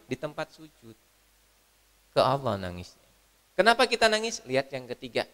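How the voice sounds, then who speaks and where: Gravelly fervent male preacher. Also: mid-range voice, long reverb tail. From Indonesia. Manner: swings from loud fervent exhortation to soft intimate talk. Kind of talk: online Ramadan sermon.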